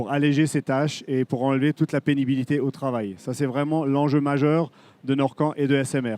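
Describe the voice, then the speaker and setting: A man with an Alsatian accent speaks at a moderate pace in a fairly high pitch with fairly even intonation. His tone is dark and mellow, in a dry, close sound with no echo. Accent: Alsatian French accent, noticeable. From Alsace, eastern France. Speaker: industrial company executive. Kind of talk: panel presentation. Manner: hesitant, many fillers.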